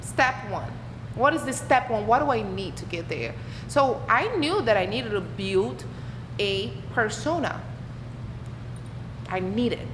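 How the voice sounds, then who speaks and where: A woman's voice: fairly high pitch, animated, measured pace, pauses often. Brazilian woman, echoey, chatty guest. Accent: Brazilian Portuguese. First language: Portuguese. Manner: chatty, restarts, laughs often. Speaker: guest musician. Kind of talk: casual interview chat. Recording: echoey room with clear background noise.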